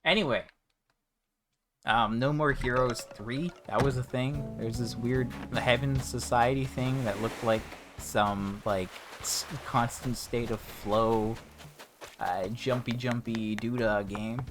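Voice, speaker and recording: A man's voice: mid-range voice, steady tone, slow. A man streaming a game, chatting casually in a rambling, ranting way with many restarts, interrupted by hiccups. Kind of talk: casual livestream chat while playing. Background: game music.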